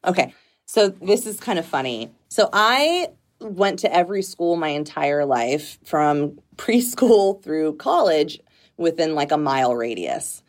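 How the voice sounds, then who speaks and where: Low-voiced reflective woman from California. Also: sing-song, unhurried. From Southern California. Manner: open, reflective, laughs easily. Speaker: nonprofit executive director, guest. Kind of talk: casual conversational interview.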